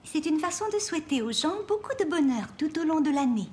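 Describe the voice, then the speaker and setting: Playful welcoming cartoon mum, high voice, very up and down. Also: female voice, fairly quick. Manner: kindly, animated. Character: welcoming, playful mother of a young girl. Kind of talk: French children's cartoon dubbing.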